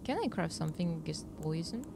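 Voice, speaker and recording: A woman's voice: expressive, quick pace, gravelly, very noisy. A young woman with a French accent, chatting playfully with viewers while streaming a game, often giggling. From France. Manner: playful, bursts into giggles, swings high when protesting. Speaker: VTuber streamer. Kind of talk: casual gameplay chat with viewers.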